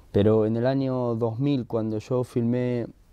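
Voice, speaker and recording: The speech comes in a Rioplatense accent with monotone, flat intonation. The sound is dry, with no echo. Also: man. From Argentina, Buenos Aires. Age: 30s. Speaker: film director. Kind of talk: interview. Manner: halting, with frequent repetitions. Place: hall.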